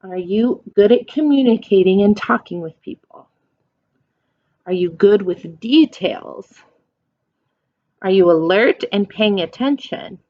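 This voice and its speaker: A woman doing a children's read-aloud as a teacher, explaining things in simple questions and animated, encouraging asides. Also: mid-range voice, takes it slowly, long pauses, highs cut off.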